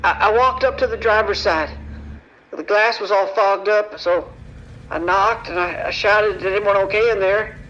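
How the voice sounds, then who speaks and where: An actor playing a frightened trucker in shock, stammering and halting as he talks over the radio in a radio drama. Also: sits high, pushed and bright, muffled recording, a little hiss or hum. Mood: shaken. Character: terrified, shocked male trucker recounting horror.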